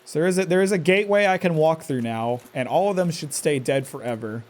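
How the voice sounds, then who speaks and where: Slightly high-pitched and fairly quick, a man narrates his own live game stream. He's stressed, keeps talking to himself, and curses enemies with jumpy outbursts.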